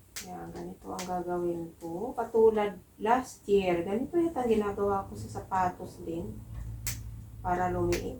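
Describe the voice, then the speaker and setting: A woman speaks at a fairly slow pace, her loudness swinging widely. Noticeable background noise sits behind her. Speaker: vlogger. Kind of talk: casual vlog narration.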